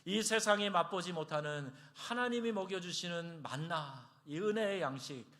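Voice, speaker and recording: A man preaching a Sunday sermon as pastor, acting out quoted prayers and voices with big swings in pitch and loudness. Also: lively intonation, normal speed. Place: church sanctuary.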